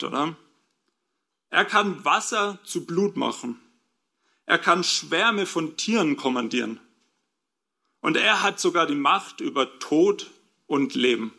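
A man's voice: fairly high pitch, bright, forceful tone. A man preaching a sermon, explaining scripture and asking his listeners rhetorical questions.

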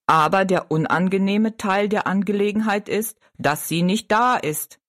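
A woman's voice: mid-range voice, no room sound, clean studio sound, natural voice. A woman voicing a tall, thin, dignified male circus giant who speaks with courtly politeness. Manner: courtly and slow, bowing politeness.

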